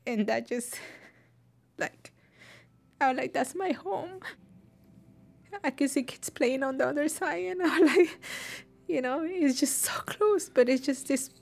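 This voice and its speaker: A woman in a heartfelt conversation, speaking softly and reflectively, sometimes dropping to a near whisper. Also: sits high, a little slow, gravelly, long pauses. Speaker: interview participant.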